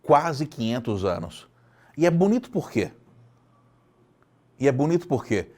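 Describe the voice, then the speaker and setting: A man from Brazil, teaching a video lesson in an expressive, emphatic way, repeating lines for effect. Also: medium pitch, unhurried. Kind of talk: video lecture.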